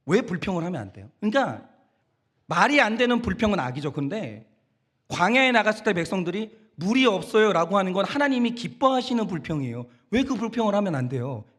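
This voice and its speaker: A man's voice: high voice, very animated, fairly quick, fairly bright tone. A middle-aged male pastor preaching a conversational sermon, firing rhetorical questions and acting out quoted voices.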